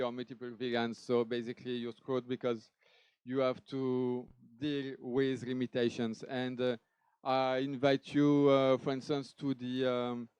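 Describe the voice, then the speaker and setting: Male speaker with a French accent presenting at a conference: lively, chatty, clean resonant voice, close and dry. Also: mid-range voice, clean tone, no echo. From France. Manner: lively, with restarts and asides. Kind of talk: technical conference talk. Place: conference hall stage.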